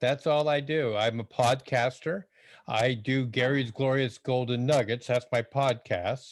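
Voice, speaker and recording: An American-accented man at medium pitch talks at a fairly slow pace, with very even loudness and fairly even intonation. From Western Canada or western US. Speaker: podcaster and author hosting a Q&A group. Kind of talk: casual online group Q&A chat.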